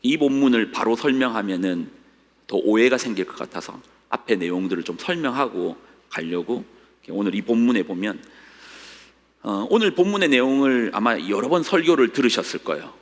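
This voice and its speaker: Impassioned pastor in a reverberant church. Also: male voice, medium pitch, animated, normal speed. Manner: dramatic, voices the complaints of the faithful with rising cries. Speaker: senior pastor. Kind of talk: sermon. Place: church sanctuary. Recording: long reverb of a church hall.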